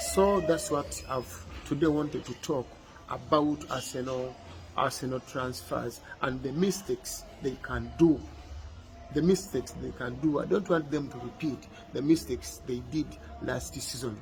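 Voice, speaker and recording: A man talks at a moderate pace with a Ugandan accent. Music plays in the background. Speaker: football commentator. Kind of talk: video commentary monologue. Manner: halting with repetitions.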